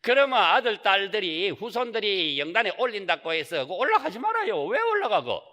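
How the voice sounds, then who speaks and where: A man's voice: high voice, very animated, fairly quick, bright, forceful tone. A man, a Buddhist monk, giving a Sunday Dharma talk with rhetorical questions and folksy asides. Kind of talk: sermon. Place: temple hall. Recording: reverberant temple hall.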